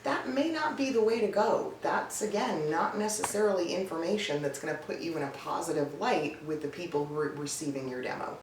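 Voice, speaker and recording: A woman's voice: lowish voice, lively intonation, fairly quick, few pauses. A woman giving emphatic, blunt, conversational advice as a coach, talking straight to her viewers. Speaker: voice-over coach and casting professional. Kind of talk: direct-to-camera advice video, tips list. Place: indoor room with a cat nearby. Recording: roomy, distant mic, some background noise.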